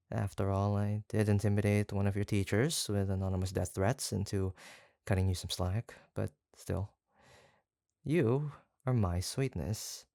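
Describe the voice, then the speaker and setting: An actor playing an obsessive, doting yandere kidnapper in a roleplay audio drama, halting and coaxing, tender yet menacing. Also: low voice, creaky, darkish tone, no echo, clean studio sound. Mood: adoring. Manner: halting, gushing, coaxing, with nervous stammers. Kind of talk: roleplay audio drama, intimate one-sided monologue.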